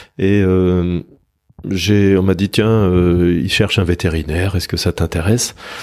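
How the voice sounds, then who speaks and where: Very deep and low in pitch, a man speaks at a very slow pace with fairly even intonation. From western France, Vendée (Les Sables-d'Olonne). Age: 60s. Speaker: business leader, former veterinarian. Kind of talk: podcast interview. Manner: hesitant, many fillers.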